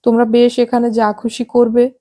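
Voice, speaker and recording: A woman doing a spirited young wife for an audiobook, tone lifted higher, husky voice. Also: monotone, moderate pace, dark tone, lightly acted. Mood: playful.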